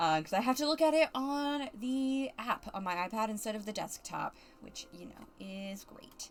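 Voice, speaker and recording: At a moderate pace, a woman speaks in a fairly high voice with very wide pitch swings. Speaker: video game streamer. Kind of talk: live stream commentary. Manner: soft-spoken; hesitant, many fillers. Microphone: mic moved closer, voice often quiet on recordings.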